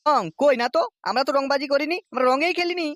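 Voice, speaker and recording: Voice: high voice, quick pace, fairly bright tone, no echo. A performer voicing a flustered village man in a Bengali comedy cartoon, nervous, complaining and protesting. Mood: panicked.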